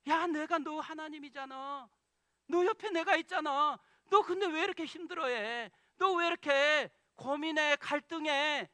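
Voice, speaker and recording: A man's voice: extremely high pitch, unhurried, sharp tone, dry recording, pitched above the performer's own voice, full character voice. A man preaching, voicing God as a tender, reassuring divine presence who insists he is near. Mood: tender, urgent.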